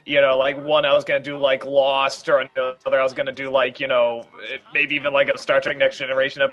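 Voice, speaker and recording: A man giving a casual film commentary, talking in a rambling, halting way with many restarts. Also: mid-range voice, flat delivery, a bit bright, lo-fi sound.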